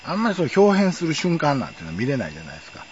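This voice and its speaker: A man's voice: a little high, rapid-fire, lo-fi sound, slight background noise. A middle-aged man telling a personal story in a wry, chatty way. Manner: wry, chatty, lively intonation. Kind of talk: casual storytelling monologue.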